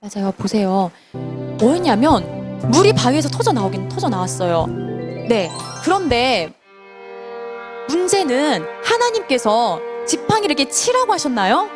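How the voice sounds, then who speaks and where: A woman's voice: high-pitched, sing-song, moderate pace, over music. A Sunday school teacher, a woman, telling a Bible story to children and asking them questions as she goes. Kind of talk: children's sermon.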